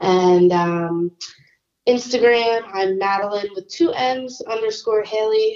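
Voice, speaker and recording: A woman speaks with a New Jersey accent at a fairly high pitch. Her pace is very slow. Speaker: guest. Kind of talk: casual chat.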